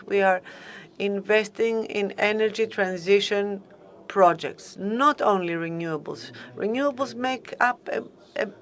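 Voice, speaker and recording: A woman giving formal remarks on a conference panel, in a halting, measured way as she searches for words. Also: mid-range voice.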